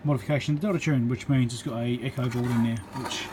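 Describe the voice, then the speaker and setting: A man's voice: medium pitch, steady tone, quick pace, background noise. A man with a New Zealand accent giving a casual, unscripted, matter-of-fact walkthrough as he works at an indoor bench. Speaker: electronics repairer presenting his work. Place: indoor workbench.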